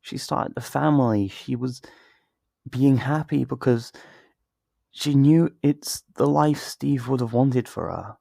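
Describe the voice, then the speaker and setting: A man playing a torn, tender best friend in an intimate ASMR roleplay, speaking in a halting, emotional, pleading way. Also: mid-range voice, creaky, dark tone, dry recording, clean studio sound. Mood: firm, exasperated. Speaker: audio roleplay voice actor.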